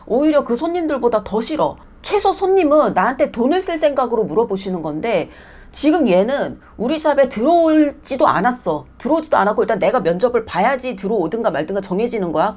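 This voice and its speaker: A woman's voice: on the high side, a little mellow. A woman who owns a nail salon, ranting bluntly and with exasperation in a casual vlog monologue, mixing polite and plain speech.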